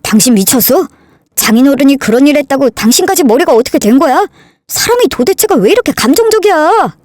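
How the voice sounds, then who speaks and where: A self-righteous young husband who lectures and talks down, as a woman reading the story puts him on. The voice stays fairly high and sits dry and close to the mic. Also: very animated, fairly quick, darkish tone, no room sound. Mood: exasperated. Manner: lecturing, condescending.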